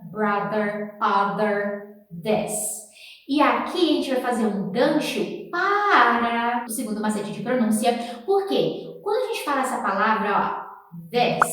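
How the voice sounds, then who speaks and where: A woman teaching English pronunciation, explaining and then slowly repeating words for the viewer to copy. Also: fairly high pitch. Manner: encouraging, talks straight to the viewer. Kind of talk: pronunciation lesson with drills. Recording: echoey room, voice from a distance.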